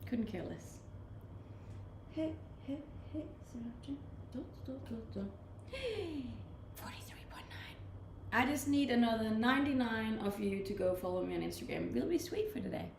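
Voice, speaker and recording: A woman's voice: fairly high pitch, animated, measured pace, creaky. Laid-back Danish-accented woman streamer. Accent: slight Danish, mixed from living abroad. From Denmark. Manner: laid-back, chatty, often laughing. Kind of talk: casual chat reading live comments. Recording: echoey room, faint ambient noise.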